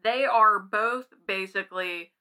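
A woman's voice: medium pitch, a little slow, bright, forceful tone. A young American woman co-hosting a podcast in casual conversation, thinking aloud in an informal, hedging way. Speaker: podcast co-host. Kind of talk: casual chat.

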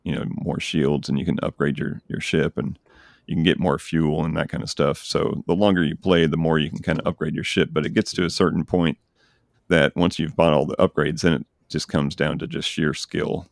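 Super deep man host rambling on a podcast, bit of gravel in it, dry room. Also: steady tone, fairly quick, no room sound. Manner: enthusiastic, rambling recommendations. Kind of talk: casual chat.

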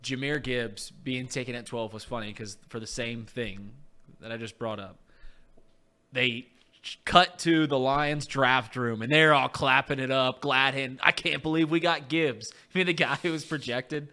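A man with a self-described high-pitched voice co-hosting a casual sports talk show, ranting animatedly with mocking asides. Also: measured pace, sharp tone. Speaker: podcast co-host.

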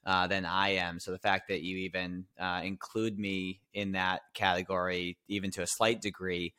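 Smooth low-voiced man, dry close sound. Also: level tone, moderate pace, sharp tone, no room sound. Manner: modest, reflective, thinks aloud. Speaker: podcast guest, business coach. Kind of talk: casual interview answers.

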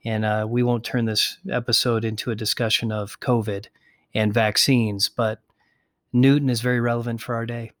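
A man's voice: medium pitch, little pitch movement, fairly bright tone, no echo, clean studio sound. Earnest man reading letter excerpts aloud. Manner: earnest, reads quotes aloud with pauses and restarts. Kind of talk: conversational discussion with quoted readings.

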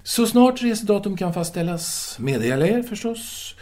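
Guy acting restless 1930s philosophy teacher, lively highish voice, very formal and polite, hums and hesitates, intimate radio drama. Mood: longing, reflective. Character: philosophy teacher in 1938, courteous, restless intellectual lover. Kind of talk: audio drama dialogue, intimate phone conversation.

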